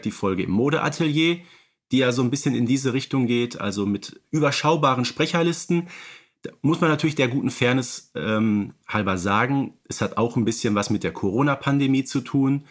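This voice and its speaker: A man's voice: mid-range voice, fairly quick. Male podcast co-host, mid-range voice, explains and analyses conversationally.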